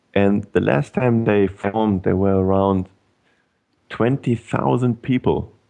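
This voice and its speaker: A man with a German accent speaks at a fairly slow pace in a fairly low voice, with ordinary pitch variation and very even loudness. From Germany. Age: 30s. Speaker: caller. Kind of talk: call-in conversation.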